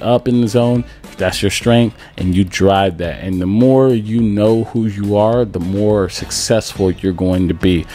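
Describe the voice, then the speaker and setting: Faint music plays in the background as a man speaks at a moderate pace with fairly low pitch and fairly even intonation, in a dry sound with no echo. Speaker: baseball hitting coach. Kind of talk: tutorial. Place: home room. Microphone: studio mic.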